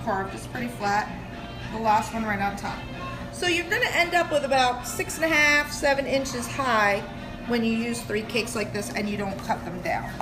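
A woman speaks over clear music in the background. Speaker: cake decorator host. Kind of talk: tutorial. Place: kitchen.

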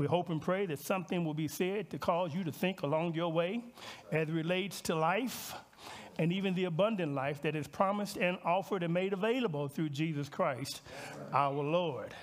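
The tone is animated, and the pace is moderate. Pitch variation is ordinary. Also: man, high pitch for a man. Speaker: preacher. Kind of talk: sermon. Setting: church. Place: church.

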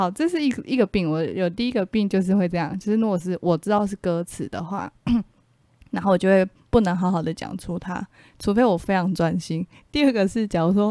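A woman at medium pitch with a dark, mellow tone, a fairly quick pace and ordinary pitch variation, in a dry, close sound with no echo over a very clean recording and silent background. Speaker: comedy podcast co-host. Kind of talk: casual chat. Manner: mumbling.

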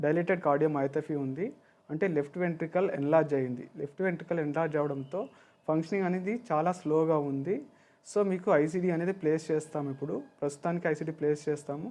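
Fairly even intonation runs through a voice with a dark, mellow tone. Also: man, fairly high pitch for a man. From Andhra Pradesh, Anantapur district (Rayalaseema). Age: 20s. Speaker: heart transplant patient. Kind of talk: patient testimonial. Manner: halting, repetitive.

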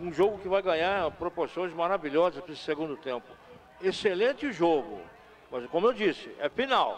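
Loudness rises and falls sharply over a moderate pace, with lively intonation throughout. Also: man, high pitch for a man. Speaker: football commentator. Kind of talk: live commentary. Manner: casual.

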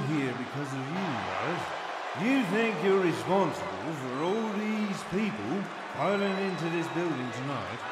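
Crowd noise plays in the background as a man talks at a very slow pace. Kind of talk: wrestling promo speech. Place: stadium. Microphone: handheld.

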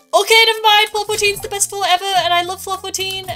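Music plays in the background as this woman talks very fast. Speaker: speedrunner.

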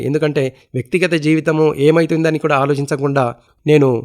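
A man speaks in a plain, everyday voice, pitched fairly high. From Telangana, Adilabad district. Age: 50s. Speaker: politician, poet and former teacher. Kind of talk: radio interview. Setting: radio studio.

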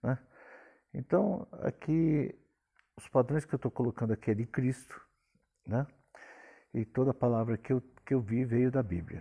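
A man with a dark, mellow, somewhat breathy voice speaks at a fairly slow pace, with ordinary pitch variation. He leaves long, frequent pauses against a quiet background. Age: 60s. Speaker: pastor. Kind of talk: recorded teaching talk to church parents; sermon-like seminar talk. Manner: casual, repetitive filler-heavy delivery. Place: home room. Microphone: microphone placed very close; phone near.

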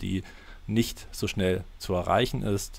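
A man's unremarkable speaking voice, fairly low in pitch, with fairly even intonation, on a very clean recording with a silent background. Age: 20s. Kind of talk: interview.

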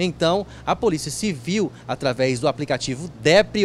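A man talks at a moderate speed, with light noise in the background. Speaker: TV news reporter. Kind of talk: TV news reading, scripted report. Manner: formal, steady, brisk newsreader delivery. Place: street. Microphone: handheld.

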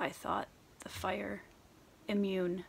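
Over light background noise, a woman does a raspy put-on character voice at medium pitch.

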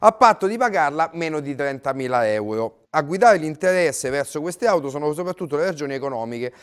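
A man with a fairly high pitch and lively intonation, fairly quick and with hardly any pauses, against a quiet background. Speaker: TV show host. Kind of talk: TV interview show. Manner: hesitant, many filler words. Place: studio. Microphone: lapel.

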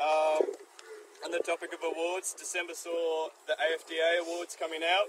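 A man with an Australian accent talks at a moderate pace in a high voice with monotone, flat intonation. The sound is dry with no echo, though there is noticeable background noise. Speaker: president of state sport association. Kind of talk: meeting report. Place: open country. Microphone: camera far.

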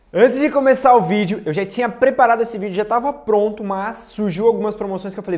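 Speaking at a fairly quick pace with a quiet background, a man uses an animated tone in a high pitch with ordinary pitch variation. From Brazil. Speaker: tech youtuber. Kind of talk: deal roundup video. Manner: fast. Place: home room. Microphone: lapel.

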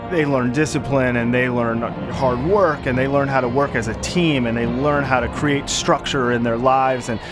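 A man talks at a moderate pace with ordinary pitch variation. Music plays clearly in the background. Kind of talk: interview answer. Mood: warm, enthusiastic. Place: stadium.

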